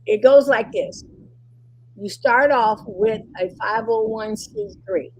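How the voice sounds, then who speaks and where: A woman's voice: a little high, takes it slowly, darkish tone, low-quality recording. A woman presenting an informal webinar from an online call, repeating her points and checking in often as she teaches. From Cleveland, Ohio. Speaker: presenter teaching about nonprofits. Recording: faint background noise on webinar call.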